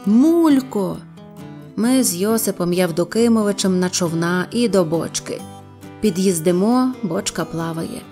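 A woman reading a humorous story aloud as a storyteller, lively and playful. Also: fairly low pitch, normal speed. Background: faint guitar music.

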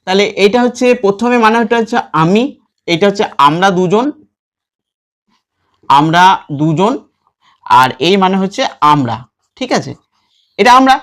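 A man teaching a lesson. He patiently recites verb forms over and over in a slow chant and keeps checking that students follow. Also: high voice, lively intonation, a bit bright. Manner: checks in with listeners often. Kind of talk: classroom lesson with recitation drills.

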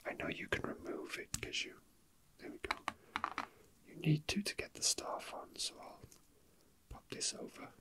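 Small objects get handled as an ASMR host murmurs relaxed, unhurried chat right by the mic. It's a whisper, mostly the host musing to themselves.

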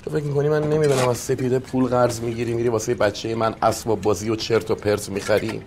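A rough, quarrelsome husband who sneers at everyone around him, played by an actor. His voice sits at an ordinary middle pitch. A faint hiss runs under the film soundtrack. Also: little pitch movement, natural voice. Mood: sneering. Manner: crude, sneering, confrontational. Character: blunt, rough-spoken husband, contemptuous and quarrelsome. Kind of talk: film drama acting.

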